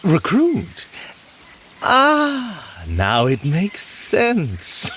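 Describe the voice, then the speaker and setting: An actor playing a sly, grandiose, century-old mutant villain in an audio drama, with pompous, silky, drawn-out persuasion. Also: male voice, high-pitched, huge pitch swings, noisy background, exaggerated voice. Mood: gloating, tempting.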